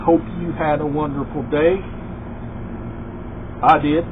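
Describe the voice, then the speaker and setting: Slow, halting man on a tinny mic. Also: on the high side, level tone. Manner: halting, repetitive, short phrases with pauses. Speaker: host of a collection video channel. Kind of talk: casual vlog chat to camera. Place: small room indoors. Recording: tinny phone-like sound, loud background noise.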